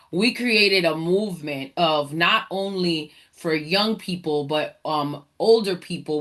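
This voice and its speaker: A woman's voice: on the low side, a bit bright. A woman from the Dominican Republic hosting a motivational faith talk, speaking energetically and preacherly and addressing listeners as y'all. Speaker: podcast host, entrepreneur.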